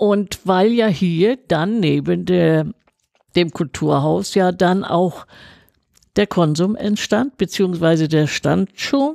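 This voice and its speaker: A woman with a fairly low pitch speaks very slowly in a dark, mellow tone. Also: ordinary pitch variation, very even loudness, dry, close sound with no echo. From northern Germany. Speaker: retired teacher. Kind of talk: interview. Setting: in a room at the venue.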